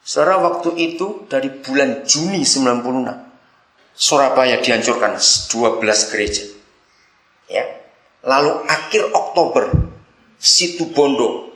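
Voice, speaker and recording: A man preaching a sermon as pastor, telling a story with passion and swinging between loud outbursts and hushed moments. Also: mid-range voice, reverberant, rough recording.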